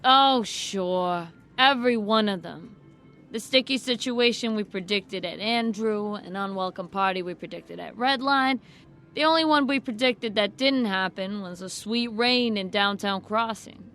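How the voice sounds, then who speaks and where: A flippant, irreverent woman in a radio drama, with a forceful, bright voice. She takes her time, speaking in a blunt, folksy, offhand way, with music behind her. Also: mid-range voice, measured pace. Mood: breezy, brazen. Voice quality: folksy, colloquial speech. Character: flippant, irreverent woman, former employee of shady company. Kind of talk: audio drama acting as interview guest.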